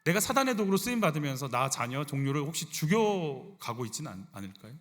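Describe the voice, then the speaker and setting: Lively man preaching in a reverberant church. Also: on the high side, fast talker. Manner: animated, conversational preaching with rhetorical questions. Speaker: senior pastor. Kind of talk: sermon. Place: church sanctuary.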